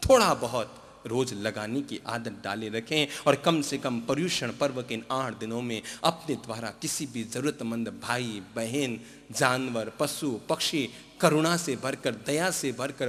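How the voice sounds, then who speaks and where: A man preaching a sermon, telling a story with acted dialogue, swinging between loud emphatic peaks and soft low passages. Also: long reverb tail, slight background noise. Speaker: Jain monk preacher.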